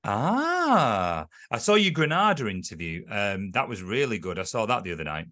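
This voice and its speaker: A man's voice: fairly low pitch, big pitch swings, moderate pace, bright, forceful tone. A man hosting an interview, enthusiastic and full of praise, with many hesitant fillers. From Lancashire, England. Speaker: host. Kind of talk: casual interview chat.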